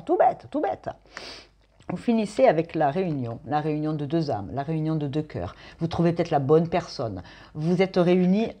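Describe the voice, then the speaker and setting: A woman's voice: medium pitch, a little mellow. A woman doing a chatty, playful tarot reading, full of fillers and asides. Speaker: tarot reader.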